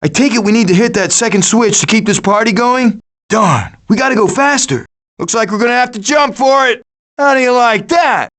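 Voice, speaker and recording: A wisecracking raccoon schemer for an animated video game, in a high-pitched voice. He is cocky and glib, leading his crew of animals with sarcastic quips. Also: normal speed.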